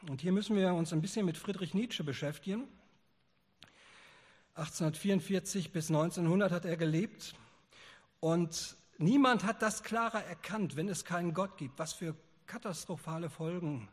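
A man's voice: high-pitched, moderate pace, breathy edge. A man preaching a sermon in a church hall, explaining earnestly with the odd hesitant filler.

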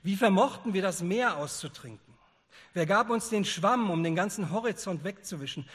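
A frantic madman, read aloud by a man pours out urgent rhetorical questions, pitched up and raised in volume. The voice is husky. A long reverb from a large hall trails every line. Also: animated, normal speed, a bit bright, full character voice. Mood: fervent. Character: frantic madman proclaiming God's death, male.

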